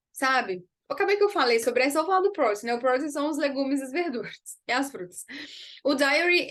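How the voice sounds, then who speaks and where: A woman English teacher gives an online lesson, moving between quick explanations and slowly modeled words for learners to repeat. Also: sits high, a bit bright.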